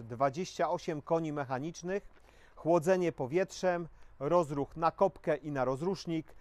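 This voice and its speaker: Outdoor dealer pitch: man in his forties, slightly high voice, steady spec-listing delivery, camera mic. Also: dry recording. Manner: enumerating specs in a steady sales pitch, frequent "e" fillers. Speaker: motorcycle dealer presenting a dirt bike. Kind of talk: sales presentation to camera. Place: outdoors in front of a shop wall.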